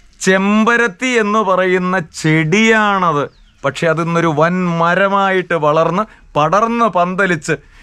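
In a raised, projected voice, a man speaks with a bright, sharp tone, high pitch, ordinary pitch variation and very even loudness. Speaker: YouTube vlogger. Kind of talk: vlog presentation with on-site interview. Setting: outdoors, in a house yard.

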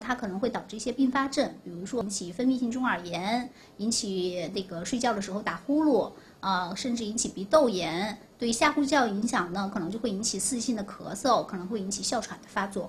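This woman speaks at a fairly quick pace with ordinary pitch variation. Light background noise is audible. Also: fairly high pitch for a woman. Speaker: doctor. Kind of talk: interview. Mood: calm, explanatory. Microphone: handheld.

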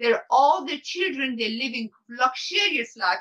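A woman projects a raised voice with a bright, sharp tone over a quiet background. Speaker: interviewee. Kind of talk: interview answer. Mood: passionate, critical. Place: home room. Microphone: video call.

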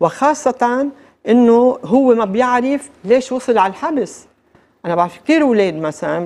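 A woman with a fairly high voice lets her pitch rise and fall very widely while talking fairly slowly. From Lebanon. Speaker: charity founder; talk show guest. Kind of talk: TV interview. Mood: earnest, explaining. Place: studio.

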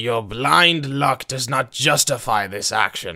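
Loud, booming and growling, a man performs a put-on character voice at a medium pitch and a fairly slow pace. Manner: booming, loud.

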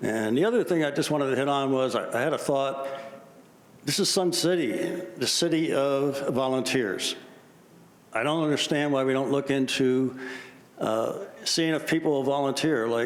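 A man's fairly high voice at a moderate pace, long, frequent pauses, very even loudness and ordinary pitch variation, amid noticeable background noise and audible room echo. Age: 70s. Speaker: resident speaking at public comment. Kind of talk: public comment at town hall. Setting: town hall meeting at recreation center.

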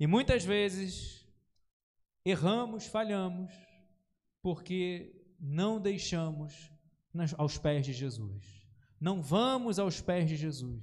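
A high-pitched man's voice, lively in intonation, at a very slow pace. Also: quiet background. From Brazil. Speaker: preacher. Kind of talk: sermon. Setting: church with congregation. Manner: fervent, exhorting. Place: church. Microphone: handheld.

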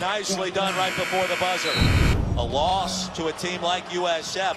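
A man speaks at a fairly slow pace in a raised, projected voice with an energetic tone. Loud background noise surrounds the dry, echo-free sound. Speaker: basketball play-by-play commentator. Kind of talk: live basketball play-by-play commentary, clipped highlight calls. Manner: energetic, rising emphasis on big plays. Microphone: headset.

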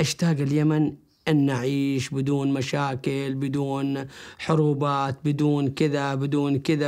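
A man with a fairly high pitch, speaking at a very slow pace. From Yemen. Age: 50s. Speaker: businessman. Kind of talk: personal testimony. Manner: halting.

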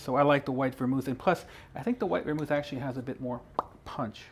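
A man talks at a very fast pace with fairly even intonation. Light background noise runs underneath. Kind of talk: cooking tutorial. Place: kitchen. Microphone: lapel.

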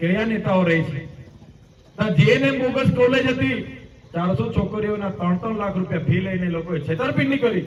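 A man with a high pitch speaks with very wide pitch swings. Noticeable background noise and audible room echo fill the recording. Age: 30s. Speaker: politician. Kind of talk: campaign rally speech. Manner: loud, fiery.

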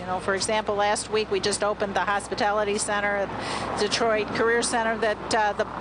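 A woman at a moderate pace, dry sound with no echo, and noticeable background noise. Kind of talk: interview answer. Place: street.

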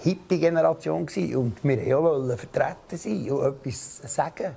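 A man with a normal speaking voice talks at a medium pitch and a moderate pace, with ordinary pitch variation. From Interlaken, Switzerland; Switzerland. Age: 60s. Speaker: rock musician. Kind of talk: documentary interview answer.

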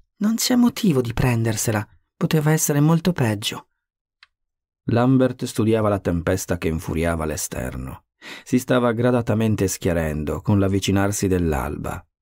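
A man with a fairly low pitch speaks at a moderate pace, his pitch swinging very widely, with long, frequent pauses, in a dry, close sound with no echo on a very clean recording with a silent background. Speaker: audiobook narrator. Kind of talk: audiobook reading of sci-fi horror novel. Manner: measured, even narration, tense and atmospheric.

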